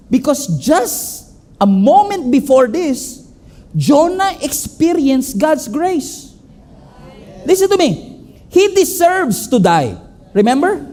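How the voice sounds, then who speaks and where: High-voiced Filipino pastor preaching with energy. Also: male voice. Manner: animated preaching that switches between English and Tagalog; acts out the people in the story in quoted voices. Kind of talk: sermon.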